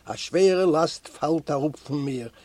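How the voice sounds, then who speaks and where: A man's voice: on the high side, takes it slowly, darkish tone, no room sound. A man voicing a feverish, weak young prisoner. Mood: resigned. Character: feverish young male prisoner, brave and resigned.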